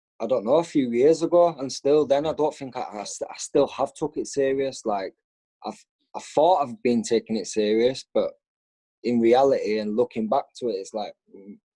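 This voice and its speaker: In a northern English accent, a man with a dark, mellow tone and a fairly high pitch with ordinary pitch variation speaks at a moderate pace, with big swings in loudness, in a dry, close sound with no echo. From northern England, Bradford. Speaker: music artist. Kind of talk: casual chat. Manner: halting.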